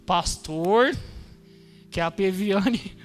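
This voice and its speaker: Man preaching, high voice, emphatic, church service, faint music behind. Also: extremely slow. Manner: emphatic, addresses congregation as brothers with frequent amens. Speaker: pastor. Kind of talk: sermon. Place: church hall during a service.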